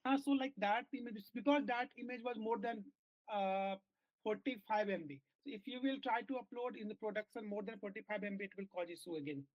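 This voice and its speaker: On a video call for a work meeting, a male software engineer with a high voice explains a bug to his team, halting and restarting amid many fillers. There's no room sound. The call audio is dull and lo-fi.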